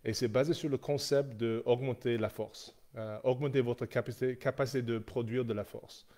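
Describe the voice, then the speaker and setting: A man's voice: mid-range voice, fairly even intonation, moderate pace, warm tone. Man, hesitant coach. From Canada. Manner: hesitant, many fillers and restarts. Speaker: strength coach. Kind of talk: live Q&A presentation. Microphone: live stream.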